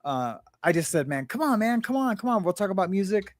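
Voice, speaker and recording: A man's voice: high voice, big pitch swings, a little fast, no room sound. Laid-back rambling man with dry sound. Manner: rambling, laughs often, many fillers and restarts. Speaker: livestream co-host. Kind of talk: casual live chat.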